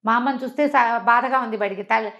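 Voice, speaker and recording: Fast-talking, higher-pitched woman storyteller. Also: dull audio. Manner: conversational, acts out characters' dialogue within narration. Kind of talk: animated oral storytelling of a children's moral tale.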